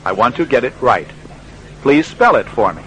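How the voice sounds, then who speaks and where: A friendly reporter. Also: male voice, medium pitch, sing-song, moderate pace, a bit bright, slight background noise, rough recording. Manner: clear, patient, friendly. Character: friendly male American radio reporter. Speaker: interviewer. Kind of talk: scripted learner dialogue.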